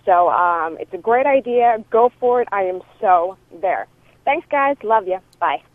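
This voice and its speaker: A woman's voice: mid-range voice, lively intonation, unhurried. Lady leaving a casual voicemail on someone's machine, thin phone sound, no room echo. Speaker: listener calling in. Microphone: telephone. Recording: muffled phone line voicemail.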